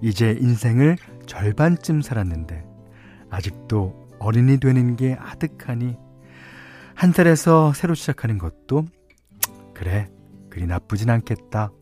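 A man hosting a radio program, reading listener stories and chatting about them. He speaks in an easy, relaxed way at a mid pitch and chuckles often. Soft guitar music plays faintly under his voice. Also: a little slow. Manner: relaxed, chuckling, many fillers. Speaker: radio DJ host.

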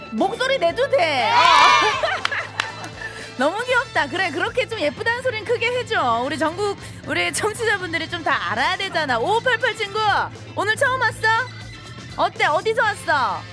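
A woman's voice: extremely high pitch, sing-song, normal speed, loud music behind the voice. A woman in her thirties hosting a live radio show, chatting and teasing her listeners as she reads their messages. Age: 30s.

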